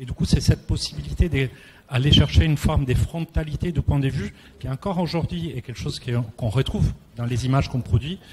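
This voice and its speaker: The loudness swings in a big way at a fairly quick pace. Pitch variation is ordinary. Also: man, medium pitch for a man. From Italy. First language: Italian (speaking French). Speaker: photographer. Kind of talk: panel discussion. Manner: halting, many hesitations.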